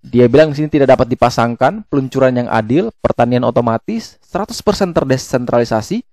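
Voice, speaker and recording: Guy doing a casual explainer vid, mellow voice, kinda halting w lots of hesitations, mid pitch, dry sound. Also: animated, dry recording. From Indonesia. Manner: halting, with frequent hesitations and self-corrections. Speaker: YouTube host explaining crypto tokens. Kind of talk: casual explainer, walking through a web page.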